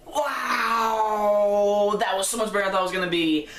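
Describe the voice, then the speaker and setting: A man's voice: sits high, rapid-fire, raised voice, noisy background. A fifteen-year-old boy giving an enthusiastic, rambling casual movie review that keeps correcting itself. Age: teenager, fifteen. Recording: roomy echo.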